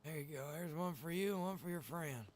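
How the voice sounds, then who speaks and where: A man's voice: a little high, a little fast, darkish tone, slight background noise. A man chatting casually in character in an online roleplay game, with a folksy, easygoing way of talking. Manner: folksy, easygoing, drawling phrases. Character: Pete, friendly folksy wandering survivor in zombie roleplay.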